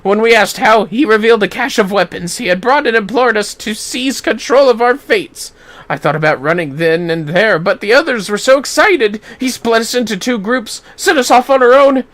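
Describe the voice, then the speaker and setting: A man's voice: high voice, expressive, normal speed, fairly bright tone, pitched above the performer's own voice. A performer voicing a traumatized male refugee in a fantasy game, terrified and pleading in a breathless ramble. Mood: shaken, urgent.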